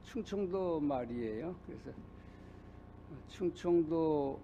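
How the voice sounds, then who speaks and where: An older male pastor preaching a sermon, telling a personal story in a halting way with many pauses. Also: on the high side, animated, dark tone, slight background noise. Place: church sanctuary.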